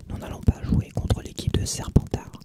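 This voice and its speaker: Whispered voice of an anxious young captain, driven, intense, storybook, hushed. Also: normal speed, close to an everyday voice. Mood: urgent, worried. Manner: whispered throughout.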